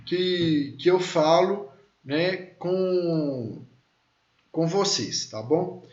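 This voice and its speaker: A man's voice: fairly high pitch, drawn-out words, darkish tone. A man in his thirties, a law lecturer, teaching through chatty personal stories with many fillers and questions to his listeners. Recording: echoey, dull lo-fi room sound.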